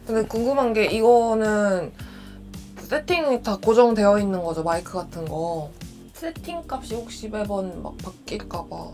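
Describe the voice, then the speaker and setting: A woman's voice: mid-range voice, unhurried, dark tone, faint music behind. A young woman chatting casually as a streamer in a small bedroom studio. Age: young adult. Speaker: streamer client. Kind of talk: casual chat.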